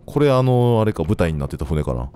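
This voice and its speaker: Lively low-voiced Kansai man playing a game. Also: fast, a little hiss or hum. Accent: Kansai Japanese. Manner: joking, talks to the game characters, sudden shouts. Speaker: gameplay commentator. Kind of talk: casual let's-play commentary. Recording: faint game music behind.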